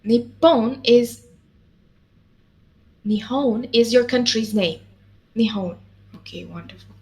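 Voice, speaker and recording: Woman, language tutor, encouraging, fairly high voice, slow. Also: a little mellow. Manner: patient, encouraging, lots of mm-hmms and checks. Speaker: language teacher. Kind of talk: one-on-one language lesson.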